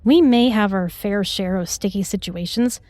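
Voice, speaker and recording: A woman's voice: mid-range voice, normal speed, a little mellow, no room sound, natural voice. A woman acting a self-assured, protective starship doctor in a sci-fi audio drama, composed and pointed in her delivery. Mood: cool, cutting.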